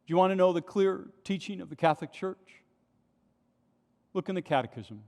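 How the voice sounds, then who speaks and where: A man's voice: sits high, normal speed, gravelly, a little mellow. A male pastor preaching an impassioned sermon at a pulpit microphone in a large, nearly empty church, asking rhetorical questions. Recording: long church reverb.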